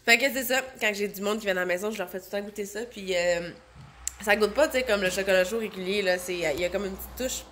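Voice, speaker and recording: A Québécois woman in her thirties, a stay-at-home mom and vlogger, chats casually to camera on a handheld phone at home. A cold leaves her nasal and stuffed up, and she rambles with plenty of fillers. Her medium-pitched voice is fast and a bit bright, with a little hiss or hum.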